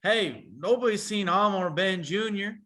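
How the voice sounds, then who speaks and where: A man's voice: sits high, normal speed, sharp tone. A man playing a brash, cocky, teasing working man out drinking, in a screenplay table read. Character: brash, rowdy drinking miner, cocky male.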